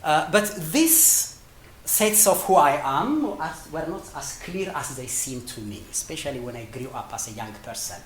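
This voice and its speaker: A middle-aged man with an Ethiopian accent tells a personal story in an animated, rising-and-falling voice, pausing on fillers and starting phrases over. Laughter often slips in between his phrases, and the sound carries the roomy ring of an event hall. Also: a little high, slight background noise. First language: Amharic. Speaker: storytelling speaker.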